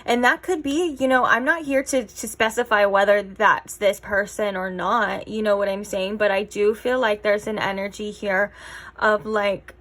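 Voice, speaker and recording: A woman's voice: mid-range voice, fairly bright tone. Chatty young woman reading tarot. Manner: rambling, chatty, many fillers. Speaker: tarot reader.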